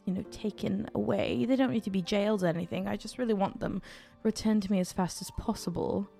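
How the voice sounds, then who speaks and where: A woman's voice: medium pitch, fairly even intonation, brisk, gravelly, mellow, soft background music, natural voice. Casting: woman doing sly flirt, sugary and coaxing, calls everyone darling. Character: scheming flirtatious woman, sweet-talking.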